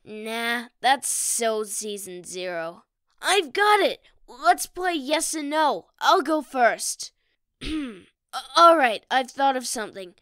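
A woman's voice: sits high, very animated, slow, fairly bright tone, no room sound, studio quality, heavily acted. A woman playing a cheeky, playful young boy in a fan audio drama.

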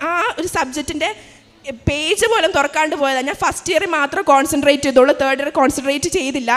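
A young woman studying nursing gives an earnest, emotional account of her personal faith. Her voice is high-pitched and a little bright, and the recording carries a long hall reverb.

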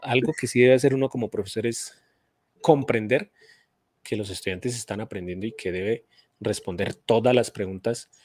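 A man's voice: lowish voice, normal speed, a little mellow, dry recording. A middle-aged man, a math teacher and video host, talking casually and earnestly on a live stream. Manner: earnest, advising, with restarts. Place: home studio. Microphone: studio mic on boom arm, headphones.

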